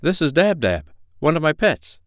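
A man's voice: a little high, sing-song, moderate pace, dry recording, studio quality, pitched above the performer's own voice. A man doing a kind, reassuring animal doctor. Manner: gentle, reassuring. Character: kind, calm, cheerful grown-up animal doctor.

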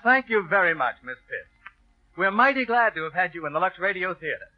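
A man's voice: high voice, expressive, brisk. A man hosting a 1930s radio show, delivering scripted announcements and interview questions. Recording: muffled 1930s radio broadcast with music.

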